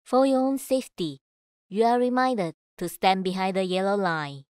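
A woman reading scripted public announcements in a formal, measured, carefully enunciated manner. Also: mid-range voice, darkish tone, clear, resonant tone, dry recording, clean studio sound. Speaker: voice-over announcer.

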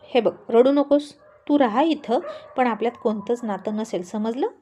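A young husband in a storybook, curt and exasperated, scolding his wife, as a woman narrator plays him. The voice stays fairly high, close to the reader's own. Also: moderate pace, warm tone, a little hiss or hum, lightly acted. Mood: firm.

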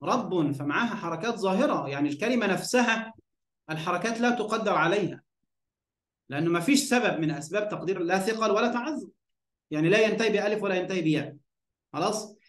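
High-voiced Egyptian man teaching grammar. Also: animated, fast talker, fairly bright tone, reverberant. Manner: poses questions and answers them himself, keeps checking understanding. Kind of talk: online grammar lesson.

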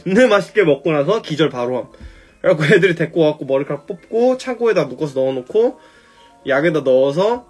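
A man's voice: fairly high pitch, animated, fast, darkish tone, husky, faint music behind. A man casually retelling a story on a phone live stream, loose and chatty, swearing now and then.

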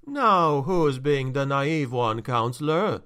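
A man's voice: medium pitch, lively intonation, fairly bright tone. A man reading a story aloud, voicing an anxious male steward who talks in a shaky, pleading way. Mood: agitated. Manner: shaky, agitated, slow and pleading.

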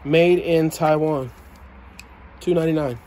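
A young man unpacks boxes in a cluttered storage room and keeps up a playful, excitable patter for his viewers. His voice sits a bit high. It is picked up on a handheld phone over steady room noise. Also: measured pace. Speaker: storage unit vlogger. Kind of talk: casual unboxing vlog. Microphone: handheld phone camera.

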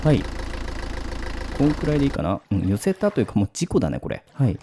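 A man's voice: mid-range voice, very animated, quick pace, noisy background. A man giving casual horror game commentary, thinking aloud and asking himself questions. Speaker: gaming commentator.

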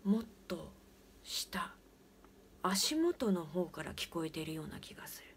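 A woman telling a ghost story in a hushed, often whispered voice. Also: mid-range voice, a little hiss or hum.

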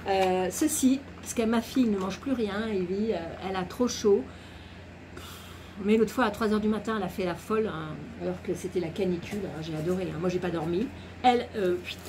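Chatty woman with a noisy recording. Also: medium pitch. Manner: chatty and rambling, laughs at herself. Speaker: vlogger. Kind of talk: casual grocery haul chat.

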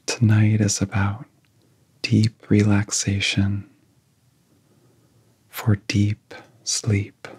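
Man, soft breathy half-whisper, very slow, flat intonation, gentle ASMR relaxation guide, long pauses. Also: lowish voice, dry recording. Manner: gentle, soothing, long pauses between phrases.

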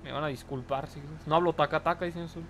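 A man's voice: fairly high pitch, steady tone, fast, a bit bright, slight background noise. A young man with a Mexican accent commentating a live game stream, joking in slang and greeting viewers from the chat. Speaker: gaming streamer.

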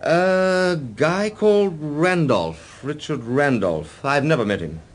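An actor playing a chatty, wry film director in a radio drama, with an effusive, chummy manner. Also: male voice, fairly high pitch, animated, takes it slowly.

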